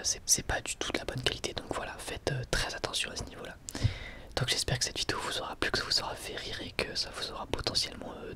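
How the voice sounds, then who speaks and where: A man whispering informally and a little hesitantly to his viewers as an ASMR host, in a breathy, unvoiced whisper. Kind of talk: whispered ASMR, casual product review.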